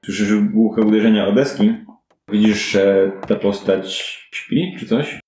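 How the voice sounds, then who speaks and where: Low-voiced man as game master, roomy sound. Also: unhurried, darkish tone. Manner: improvised, descriptive storytelling with hedging. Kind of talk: narrating a fantasy detective tabletop game. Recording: roomy echo, faint music behind. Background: faint background music.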